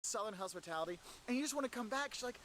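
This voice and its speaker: A man with a high voice explains a point emphatically, addressing the viewer directly. Faint outdoor noise sits behind him, with traffic passing somewhere nearby. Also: animated, racing, a bit bright. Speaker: video creator. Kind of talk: explanatory vlog talk.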